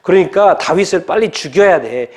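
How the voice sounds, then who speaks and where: A man's voice: sits high, lively intonation, normal speed. A male preacher voicing an angry older king who berates his son. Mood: raging. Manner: shouting and scolding. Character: furious older king, a raging father.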